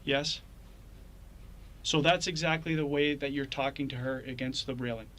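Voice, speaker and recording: A male police detective questioning a witness in a calm, steady way. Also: mid-range voice, normal speed. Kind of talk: police interview.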